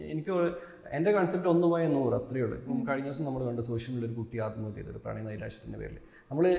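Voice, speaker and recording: Room echo is audible as a man speaks with ordinary pitch variation. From Kerala. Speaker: travel vlogger. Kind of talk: interview. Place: home room.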